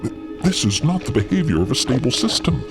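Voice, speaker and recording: A man's voice: mid-range voice, very animated, fairly quick. A man playing a courteous, cautious alien in an audio drama, with formal wording and hesitant stammers. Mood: grave, cautioning. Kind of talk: scripted audio drama acting. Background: music.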